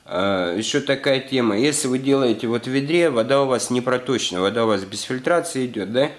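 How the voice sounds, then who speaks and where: A man's voice: mid-range voice, fairly quick. Man explaining a workshop hands-on tutorial. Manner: explanatory, repeats "то есть", filler-heavy. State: slightly ill. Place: indoor garage workshop. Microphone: camera mic, handheld close.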